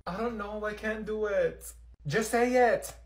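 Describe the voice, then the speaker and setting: A man's voice: sits high, measured pace, pitched above the performer's own voice. A man voicing a dramatic teenage schoolgirl who talks in a whiny, sassy way.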